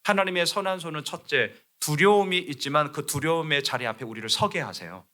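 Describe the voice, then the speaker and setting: A man preaching a sermon as pastor, animated and leading his congregation in reading scripture aloud. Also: on the high side, a little fast. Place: church sanctuary.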